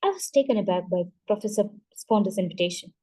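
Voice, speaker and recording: A woman hosting a book club, reading a memoir aloud at a steady pace and now and then stumbling and restarting a word. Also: medium pitch, quick pace.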